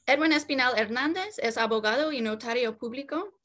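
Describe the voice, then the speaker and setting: Halting woman with an English-speaker's Spanish accent. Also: high voice, fairly bright tone. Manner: halting, stumbles over long words. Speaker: board member introducing a speaker. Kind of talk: reading a formal introduction. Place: indoors on a video call.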